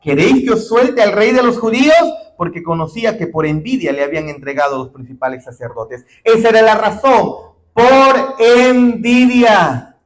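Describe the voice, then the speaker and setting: A man preaching a sermon, emphatic and rising to shouted declarations, often calling listeners brother. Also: sits high, animated, a little fast, hardly any pauses.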